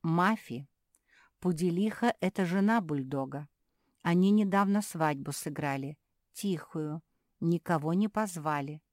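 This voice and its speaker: A woman's voice: fairly low pitch, a little slow, a little mellow, no room sound, studio quality, close to an everyday voice. A woman voicing a prim, proper creature lady who explains matters at length in a storybook.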